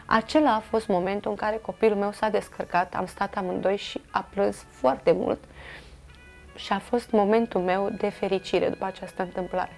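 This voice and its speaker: A woman's voice: mid-range voice, steady tone, creaky, darkish tone, faint music behind. A middle-aged woman with a Romanian accent, an interview guest earnestly recounting a personal family story with many fillers and quoted dialogue.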